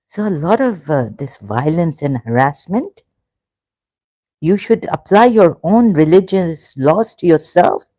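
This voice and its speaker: A speaker from Pakistan, an online religion commentator rambling through a solo livestream in a halting, emotional way with many broken-off phrases. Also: mid-range voice, expressive, warm tone, no echo. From Pakistan, grew up in Karachi.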